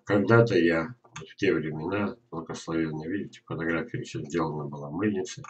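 An older man giving an informal instructional webinar talk, speaking haltingly with drawn-out words and pauses. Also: deep voice, darkish tone, lo-fi sound. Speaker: gardener presenting an online lesson. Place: indoors in a small dim room at a computer.

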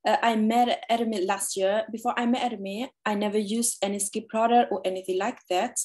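A young woman from Sweden giving an informal personal testimonial on a video call in a halting, hesitant manner. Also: medium pitch, fairly even intonation, darkish tone. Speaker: seminar speaker.

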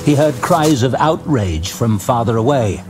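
A man narrating a scripted fantasy story dramatically, in a measured, suspenseful manner. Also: mid-range voice, expressive. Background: music.

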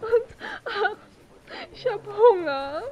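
A woman's voice: very high voice, expressive, slow, highs cut off, exaggerated voice. An actress playing a distraught woman caller who is locked out at night, whiny and tearful, repeating herself.

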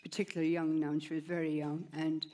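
A woman's voice: deep voice, level tone, a little fast, dark tone. An older woman, speaking as a guest in an onstage interview in a plain, rambling way, often adding "you know", on a headset mic. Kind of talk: onstage conversation, personal story. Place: stage at a large gala, indoors.

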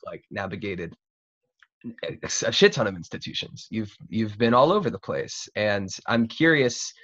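A young man with a lowish voice hosts a casual chat in an informal, halting way. He is recorded close and dry on a video call, with slightly muffled, lo-fi sound. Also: very animated, fairly bright tone, no echo. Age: young adult. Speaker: host. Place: small cluttered room at home. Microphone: computer mic on a video call.

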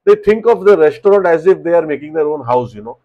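A man in his thirties with an Indian English accent, giving business advice straight to camera in a small home office, animated and repeating words as he explains. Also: a little high, fast, highs cut off. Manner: animated, gestures with both hands, repeats words while explaining. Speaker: restaurant business coach. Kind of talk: direct-to-camera advice talk.

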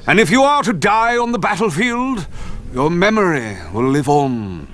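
A man's voice: high voice, big pitch swings, moderate pace, a bit bright. A man playing a grandiose, cheerfully oblivious village leader with a ceremonious manner in a comic game. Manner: pompous, ceremonious. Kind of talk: comic video game cutscene acting.

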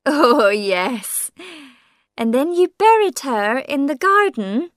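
A woman's voice: high voice, big pitch swings, slow, dry recording, studio quality, pitched above the performer's own voice, full character voice. A woman doing a dismissive police sergeant. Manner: dismissive and impatient. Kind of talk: audiobook character voice.

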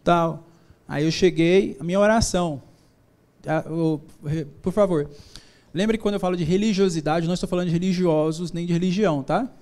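High-voiced man giving a casual stage talk. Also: brisk, a little mellow. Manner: informal, joking, mixes faith and business with slang. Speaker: business speaker. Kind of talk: live motivational talk. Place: event stage before an audience.

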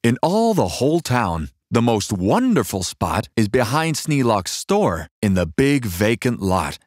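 A man voicing an eager, boastful young boy with big plans in an animated children's storybook reading. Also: medium pitch, a little slow, dry recording, clean studio sound, pitched above the performer's own voice. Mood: eager, excited.

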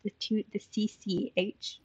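A woman's voice: mid-range voice, level tone, a little slow, a little mellow, breathy edge, no room sound, muffled recording. A young woman doing casual live gameplay commentary in a giggly, gushing way, as a game streamer. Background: game music.

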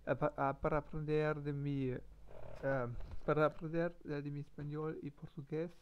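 A man slowly improvising a story as practice, with many fillers, pauses and restarts. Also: a little high, little pitch movement, clean tone, muffled recording. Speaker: language learner streamer. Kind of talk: halting improvised practice talk.

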